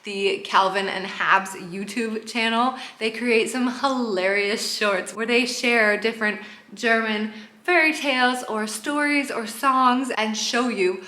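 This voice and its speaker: A woman's voice: on the high side, fairly even intonation, slow pace, bright, forceful tone. A woman hosting a travel vlog in an enthusiastic explainer style. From Canada. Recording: roomy, echoing sound.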